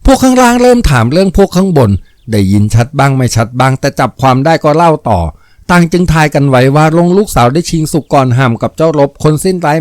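A man narrating a novel aloud in a steady, vivid storytelling manner. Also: mid-range voice, dry recording, studio quality. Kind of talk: dramatic novel reading.

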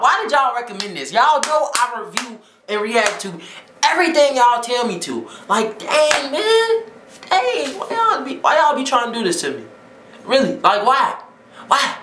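A young man hosting a reaction video, talking in an excitable way and often exclaiming or shouting in disbelief. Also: high voice, slight background noise. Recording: echoey room.

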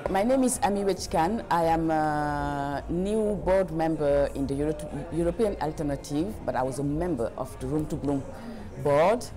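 Earnest Senegal-born woman, lowish voice. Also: normal speed. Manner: earnest, building intensity with repetition. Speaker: activist and board member. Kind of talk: documentary interview. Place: indoor office with plants.

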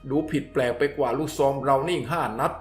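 Man narrating a story over soft music. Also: medium pitch, normal speed. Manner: steady, descriptive reading.

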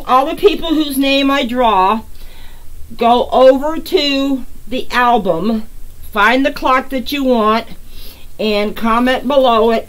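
Casual host, woman, unhurried and chatty, greets viewers by name. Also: a little high, poor audio. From United States. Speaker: resin artist and channel host. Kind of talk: casual live giveaway chat.

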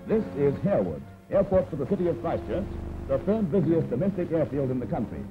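A man's voice: on the high side, very animated, a little fast. A man giving formal, announcing narration for an old newsreel, heard from its original soundtrack. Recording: tinny old newsreel audio with music.

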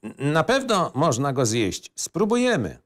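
A high-pitched, eager puppet boy. He sounds like a small, cheerful character in a children's puppet play. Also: wildly swooping pitch, unhurried, fairly bright tone, heavily acted. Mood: delighted. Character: chipper little boy puppet in a fairy-tale show.

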